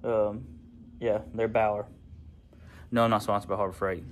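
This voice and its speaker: A man, talking through his garage fabrication work in a relaxed, rambling way, full of fillers. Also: fairly low pitch, measured pace, slight background noise. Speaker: fabricator and channel host. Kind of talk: casual shop vlog. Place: garage workshop.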